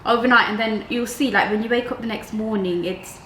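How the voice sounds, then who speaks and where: A woman's voice: a little high, fairly even intonation, brisk, fairly bright tone, slight background noise. A woman in her thirties hosting a casual cooking chat in a home kitchen, chatty and full of "like". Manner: chatty, uses "like" often. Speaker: cooking show host. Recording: roomy kitchen with faint ambience.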